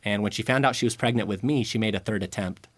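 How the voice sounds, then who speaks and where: A man's voice: on the low side, fast talker, dry recording. A man in his forties from Lebanon, a guest on a radio interview, telling his story earnestly with some fillers. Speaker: radio guest, publishing president. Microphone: studio microphone.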